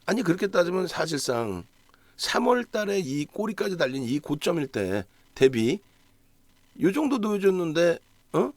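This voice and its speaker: A man's voice: high-pitched, very animated, moderate pace, no room sound. A man giving a solo stock market analysis broadcast, talking emphatically, asking himself rhetorical questions and checking in with the audience.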